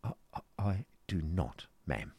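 Meek young niece, played by a male reader: timid, hesitant, soft-spoken, dry close recording, audiobook. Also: low voice, big pitch swings, measured pace, breathy edge, no room sound, heavily acted.

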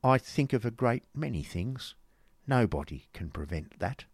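A man's voice: mid-range voice, sing-song, unhurried, husky, no echo, pitched above the performer's own voice, full character voice. A man voicing an odd, terse male clerk from a Victorian novel, with an abrupt, blunt manner.

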